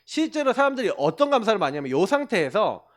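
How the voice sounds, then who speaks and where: A man's voice: high voice, quick pace. A male pastor giving a sermon to young people, telling stories with energy, speaking to listeners directly and answering his own questions. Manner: animated storytelling, addresses listeners directly and calls himself the pastor; poses questions and answers them himself.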